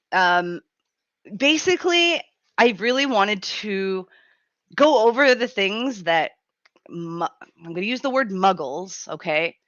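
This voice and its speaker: Woman, thirties, raspy from a cold, chatty with lots of fillers, dry slightly muffled sound. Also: medium pitch, fairly bright tone, no room sound. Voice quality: raspy, grumbly. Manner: chatty, laughs often, many fillers. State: has a cold, gruff throat. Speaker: radio show host. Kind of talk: casual live-stream chat.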